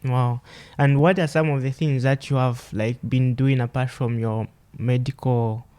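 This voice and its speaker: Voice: medium pitch, fairly even intonation, unhurried, warm tone, clean tone. An interview host asking questions in a casual, conversational way, with admiring interjections.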